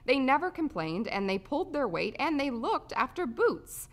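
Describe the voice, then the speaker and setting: A woman's voice: high-pitched, very animated, normal speed. A woman working as a voice-over artist, reading scripted narration.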